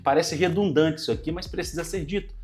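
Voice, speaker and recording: Earnest pastor teaching the Bible. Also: male voice, fairly high pitch, fast talker, a little mellow. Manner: earnest teaching, addresses listeners as brothers. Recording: light music underneath.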